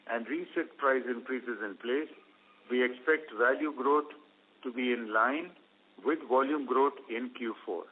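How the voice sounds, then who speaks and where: Over a thin, phone-like conference line comes a man with an Indian accent and a medium-pitched voice. He presents company results from a script. His delivery is formal and measured, set out phrase by phrase like an executive reading to investors. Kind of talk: scripted earnings call presentation. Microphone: conference call line. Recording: phone-like, narrow-band conference call line.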